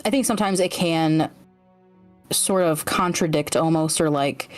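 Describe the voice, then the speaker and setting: Woman, slightly low pitch, casual fan chat, agreeable guest, informal phrasing, music behind. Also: measured pace. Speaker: talk show guest.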